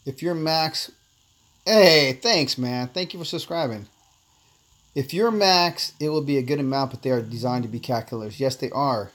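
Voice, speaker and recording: A man's voice: medium pitch, normal speed, fairly bright tone. Korean-born guy chilling on a game stream, keeps calling everyone man, medium voice. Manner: laid-back, chatty, calls viewers "man", reads chat aloud. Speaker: livestream host. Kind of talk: casual gameplay livestream chat.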